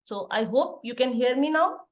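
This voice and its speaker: A middle-aged woman from Pakistan, an assistant professor, gives an online lecture over a video call, explaining plainly with frequent pauses. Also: high voice, lively intonation. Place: home study with bookshelves behind.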